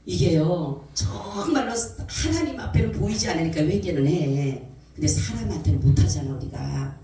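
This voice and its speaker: Female pastor giving a testimony sermon, slightly low voice, heard from afar in a reverberant church. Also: a little hiss or hum. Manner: animated storytelling, acting out quoted voices. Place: church sanctuary. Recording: echoey church hall mic from a distance.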